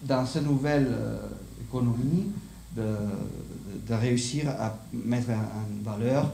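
A middle-aged Spanish-accented man gives a live conference lecture in French, a foreign language for him, often hesitating as he searches for words. His voice is mid-range, slow, gravelly and warm. He speaks into a handheld mic in an indoor lecture room before a seated audience; the room is echoey, with slight background noise.

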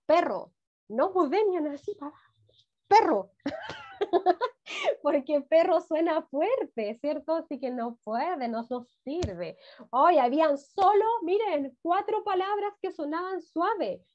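A woman teaching a first-grade reading class over a video call, praising often and drawing words out. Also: very high-pitched. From Chile. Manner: warm encouraging praise, drawn-out words, frequent "muy bien". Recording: dull lo-fi video call audio.

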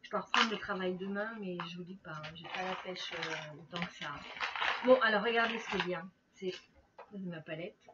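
A woman's voice: on the low side, normal speed. A tired middle-aged woman chatting casually to her viewers while doing her makeup, laughing often and talking to them directly. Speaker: beauty vlogger. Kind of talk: casual makeup chat to camera. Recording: slightly dull home recording with faint noise.

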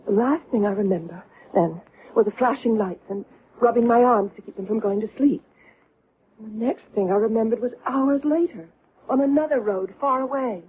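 Actress as a higher-voiced anxious mother, old radio. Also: close to an everyday voice. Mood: shaken, recounting. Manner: halting, anxious. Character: frightened, bewildered young mother, UFO witness. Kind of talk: 1970s radio drama acting. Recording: muffled, noisy old radio recording.

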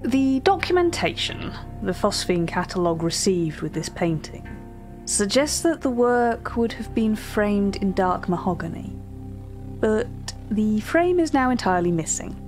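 Brief: female actor as a precise, formal curator for an eerie fiction podcast, measured delivery, mid-pitched, faint music underneath. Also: very animated. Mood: formal, grave. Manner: formal, measured, hushed at times. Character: meticulous, eerie auction-house curator describing strange artworks. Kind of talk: scripted dramatic narration, dictated catalogue entries. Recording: music behind the voice.

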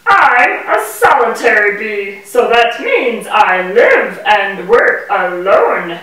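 Far from the mic in a very echoey hall, a woman plays a small, self-reliant bee puppet. The voice is sharp and bright, with emphatic, explanatory delivery for a children's show. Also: mid-range voice, expressive, takes it slowly. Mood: explaining.

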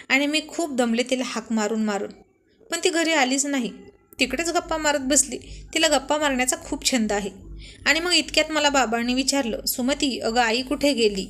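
A naive, carefree young wife explains and protests in a chatty flow, as a woman reads her in her own high voice. It stays a storybook reading rather than full acting. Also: fairly bright tone.

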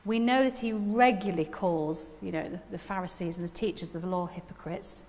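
A woman's voice: on the low side, brisk, a little mellow, slight background noise. Nottingham woman preaching in an echoey hall. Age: middle-aged. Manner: chatty, self-deprecating, with frequent tag questions. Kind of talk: informal sermon with personal anecdotes. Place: church hall stage at a lectern. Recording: echoey hall with long reverb.

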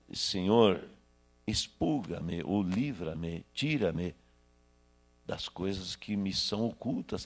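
Gravelly older Brazilian preacher, lively pitch. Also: male voice. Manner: preaching with sharp swings between loud and hushed. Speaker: pastor. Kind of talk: sermon. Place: small church hall. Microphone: handheld microphone.

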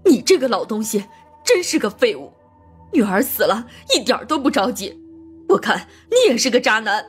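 A woman playing a bitter, domineering older mother in an audiobook drama, scornful and ranting in a husky voice. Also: a little high, sing-song, moderate pace, soft background music, full character voice. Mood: contemptuous. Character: bitter, domineering, sharp-tongued older mother of a murdered daughter.

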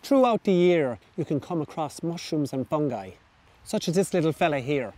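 A man's voice: on the high side, lively intonation, moderate pace, darkish tone. A man, presenting bushcraft tips for children outdoors in a forest, explaining each step in a friendly, demonstrative way. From Ireland.

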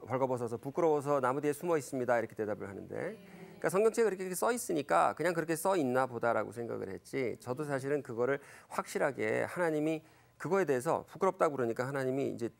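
Animated, gravelly male lecturer acting out lines. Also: fast. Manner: animated, acts out quoted lines with big pitch jumps; frequent fillers and self-corrections. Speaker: Christian lecturer. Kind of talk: church lecture with Bible storytelling.

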